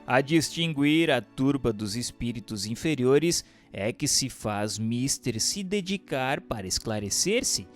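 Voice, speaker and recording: A man with a Brazilian accent reading scripted, formal narration and questions in a deliberate manner. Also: medium pitch.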